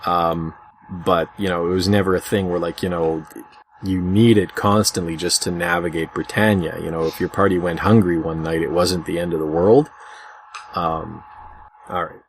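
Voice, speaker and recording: A man with a lowish voice hosts a casual podcast discussion. He feels his way through his thoughts hesitantly, over slightly noisy amateur audio. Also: steady tone, normal speed. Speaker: podcast host.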